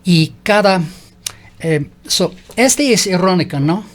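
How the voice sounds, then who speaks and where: A man whose first language is English, speaking halting learner Spanish as a radio interview guest, slipping into English fillers. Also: sits high, lively intonation. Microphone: studio microphone.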